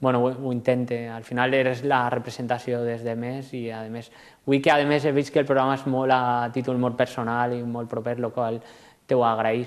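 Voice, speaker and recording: In a Valencian accent, a man speaks at a moderate pace against a quiet background. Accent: Valencian Catalan. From Valencia region, Spain. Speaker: mayor; interviewee. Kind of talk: interview. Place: studio.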